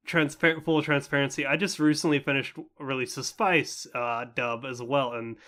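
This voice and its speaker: A man's voice: mid-range voice, fairly even intonation, moderate pace, pushed and bright. A young man co-hosting a casual anime review podcast, talking in a rambling way with many fillers. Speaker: podcast co-host.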